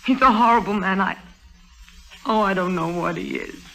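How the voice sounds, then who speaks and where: An actress playing a distressed young secretary in an old radio drama, breathless and pleading. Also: female voice, mid-range voice, moderate pace, vocal fry, fairly bright tone, faint music behind, low-quality recording. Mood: distraught. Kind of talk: 1950s radio drama acting.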